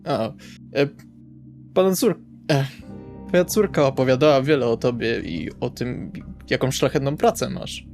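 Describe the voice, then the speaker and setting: A man's voice: medium pitch, animated, normal speed, gravelly, a little mellow, soft background music. A man playing a polite, awkward musician who speaks hesitantly and courteously in a tabletop game. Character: Salvi, polite, awkward musician friend of the daughter.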